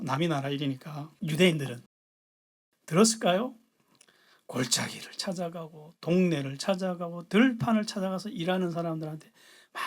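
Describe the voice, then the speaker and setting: A pastor giving a sermon, retelling scripture in a blunt, colloquial way, jumping between loud outbursts and hushed asides. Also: mid-range voice.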